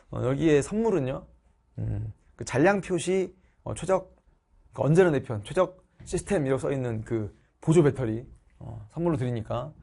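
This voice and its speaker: A man's voice: medium pitch, animated, unhurried, creaky, dark tone, slightly rough. A middle-aged man teaching social studies online, chatting casually to his students while he gets over a cold. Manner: chatty, speaks to viewers as students. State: recovering from a cold.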